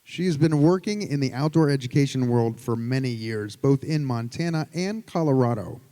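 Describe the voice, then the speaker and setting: A male host introduces the next storyteller from a prepared bio, measured and steady. His voice is dark and mellow, and the long echo of a performance hall hangs behind it. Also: mid-range voice. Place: live event venue with long reverb. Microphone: stage microphone. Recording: live hall with long reverb.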